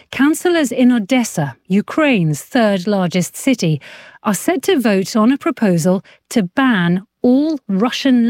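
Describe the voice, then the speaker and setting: Lively woman presenting radio news. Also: mid-range voice, no room sound, studio quality. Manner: crisp link reading.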